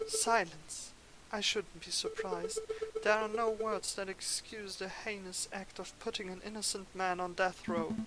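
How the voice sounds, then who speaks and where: A man's voice: high-pitched, fairly even intonation, measured pace, background noise. A man voicing a stern, scornful female bird figure who lectures coldly in a story game. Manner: cold, contemptuous scolding.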